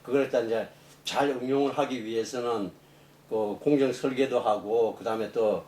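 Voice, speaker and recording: A middle-aged man, a professor being interviewed, explaining technical matters off the cuff in a halting way. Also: medium pitch, mellow. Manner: halting, explanatory, rephrasing as he goes. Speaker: engineering professor, interview guest. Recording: echoey room, distant mic, faint noise.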